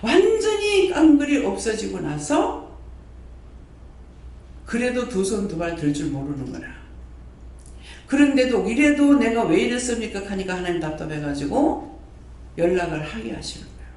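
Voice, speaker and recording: A male pastor delivers a sermon, his high voice leaping up and down as he repeats phrases and fires questions at his listeners. He is recorded from far off in a very echoey prayer hall. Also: unhurried, long pauses. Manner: animated preaching, repeats phrases, quizzes the congregation.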